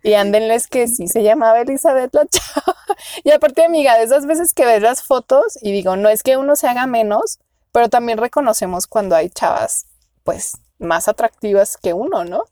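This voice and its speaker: A woman's voice: a little high, animated, normal speed, warm tone, no echo, clean studio sound. A young woman with a Mexican accent tells a dating story in casual chat, laughing often and squealing when she quotes herself. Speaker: podcast co-host.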